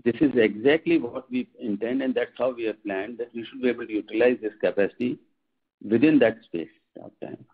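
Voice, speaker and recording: A man with an Indian accent, a company executive answering questions on an earnings conference call in a measured, formal, explanatory way. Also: medium pitch, husky. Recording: muffled tinny phone line.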